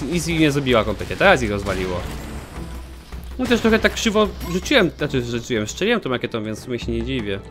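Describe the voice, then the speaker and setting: A young man commenting casually on his own gameplay, joking and swearing at himself. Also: mid-range voice. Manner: animated, swears a lot, jokey self-talk. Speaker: gaming channel host. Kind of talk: let's play commentary.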